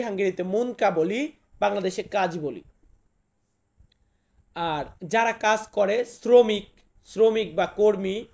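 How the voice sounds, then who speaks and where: A man from Bangladesh teaching a casual vocabulary lesson, repeating each word slowly and speaking straight to his viewers. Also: sits high, darkish tone. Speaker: language teacher.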